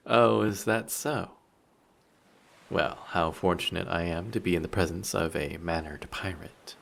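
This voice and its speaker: A man's voice: deep voice, slow pace, vocal fry, fairly bright tone, full character voice. A man playing a handsome, vain, flirty sea monster posing as a passenger in a roleplay audio drama, with a polite, formal, teasing and self-assured manner. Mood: amused, flirty.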